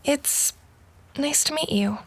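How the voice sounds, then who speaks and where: Earnest high-voiced teenage girl. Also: slow pace, no echo. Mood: shy, curious. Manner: earnest, youthful, pushy. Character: earnest, idealistic, outspoken sixteen-year-old girl artist. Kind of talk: audio drama acting. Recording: music under the voice.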